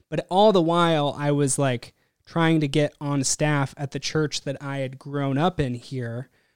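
A man with an American accent and a plain, everyday voice speaks at a fairly slow pace with fairly high pitch and fairly even intonation, in a dry, close sound with no echo. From US Pacific Northwest (Bend, Oregon). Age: 20s. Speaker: podcast host. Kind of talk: casual chat. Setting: video call.

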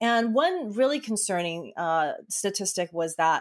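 In an American accent, a woman with an unremarkable speaking voice talks at a moderate pace and medium pitch, her intonation lively, on a very clean recording with a silent background. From Taiwan, then Cerritos, California. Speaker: sociologist and professor. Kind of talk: interview.

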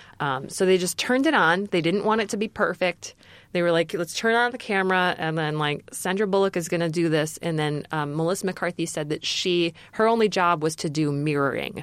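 Heard on a very clean recording with a silent background, a woman with an unremarkable speaking voice talks at a fairly quick pace with ordinary pitch variation. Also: fairly low pitch for a woman. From US Midwest. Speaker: film critic and podcast host. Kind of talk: casual interview chat.

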